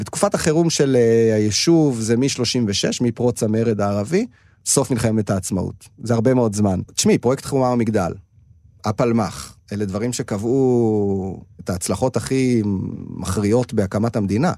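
Against a silent background in a very clean recording, a man with a dark, mellow tone speaks at a fairly slow pace, with very even loudness and ordinary pitch variation. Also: medium pitch for a man. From Israel, kibbutz in the Upper Galilee. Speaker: historian. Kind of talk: interview.

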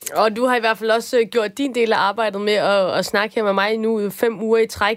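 A woman's fairly high pitch and fairly even intonation at a fairly slow pace, an unremarkable speaking voice. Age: 30s. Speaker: radio host. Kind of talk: casual chat. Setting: studio.

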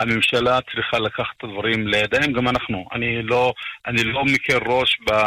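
Over noticeable background noise, a man with an Arabic accent speaks at a moderate pace and medium pitch. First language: Arabic (speaking Hebrew). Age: 50s. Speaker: mayor. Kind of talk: phone interview.

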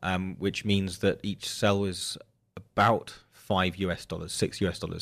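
In a British accent, a man speaks at a moderate pace and a fairly low pitch on a very clean recording with a silent background. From UK. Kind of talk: interview.

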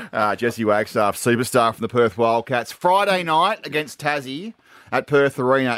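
A man in an Australian accent at a fairly quick pace, medium in pitch with lively intonation, in a dry, close sound with no echo. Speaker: radio co-host. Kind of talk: casual chat. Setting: studio.

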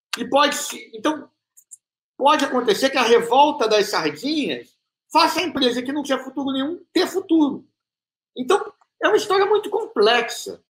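This man's voice sits extremely high, with lively intonation. He talks at a moderate pace, broken by long, frequent pauses. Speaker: media company co-founder. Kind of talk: interview explanation. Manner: clear.

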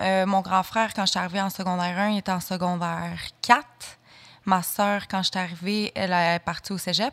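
At a fairly quick pace and with fairly even intonation comes an unremarkable speaking voice. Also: woman, medium pitch for a woman. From Quebec, Saguenay (Jonquière/Arvida). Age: 20s. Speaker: model. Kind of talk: interview conversation.

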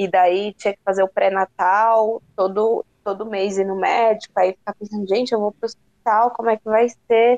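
A woman's fairly high-pitched voice, flat and monotone, at a moderate pace with hardly any pauses, big swings in loudness, and a dry, close sound with no echo. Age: 30s. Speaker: graphic designer and mother. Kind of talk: interview. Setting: remote call.

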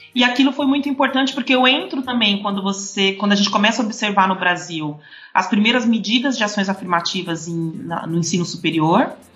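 A woman of medium pitch with lively intonation at a fairly quick pace and hardly any pauses, over noticeable background noise. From São Paulo, east side periphery. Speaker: university professor of education. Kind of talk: interview.

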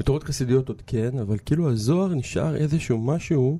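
A man's voice, dark and mellow in tone, with ordinary pitch variation at a moderate pace. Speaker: radio host. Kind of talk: casual chat. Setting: studio.

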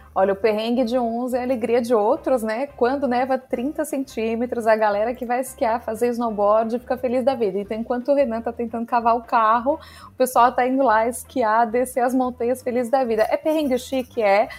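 A woman talks at a fairly quick pace in a Brazilian accent, with hardly any pauses. Her voice is high, and her intonation stays fairly even. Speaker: international recruitment director. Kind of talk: podcast interview. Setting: remote call from Canada.

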